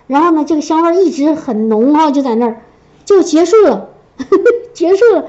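A middle-aged woman from a church gives a personal testimony in a high, animated, slightly mellow voice, speaking a little fast. Her delivery is chatty with many restarts, and the recording is dull and lo-fi.

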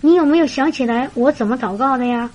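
A woman voicing a calm male pastor. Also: extremely high pitch, a little hiss or hum, rough recording. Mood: patient. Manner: measured, prayerful, gently questioning. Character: calm middle-aged male pastor, patient.

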